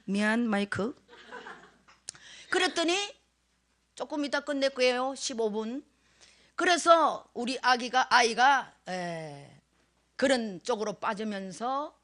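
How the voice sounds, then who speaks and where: A middle-aged woman preaching a sermon in a church, telling a personal story with strong emotion, dropping to a hush and rising to loud pleading. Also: mid-range voice. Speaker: guest preacher. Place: church sanctuary. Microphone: handheld microphone.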